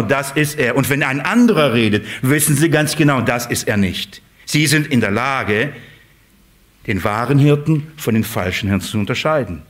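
Delivering a sermon to his congregation, a mid-range-voiced man stays lively, letting his pitch rise and fall while playfully mimicking shepherds and their sheep.

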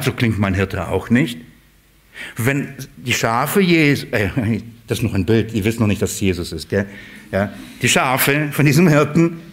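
A man with a mid-range voice preaches lively to his congregation, his voice rising and dropping as he playfully acts out the voices of shepherds and sheep.

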